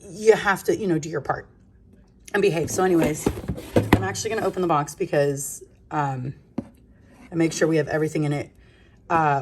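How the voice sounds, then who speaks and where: Early in the morning in her kitchen, a sleepy, yawning young mother of several children rambles through a casual home vlog, full of fillers and sometimes softly spoken while the baby sleeps. Her voice is low, with slight background noise.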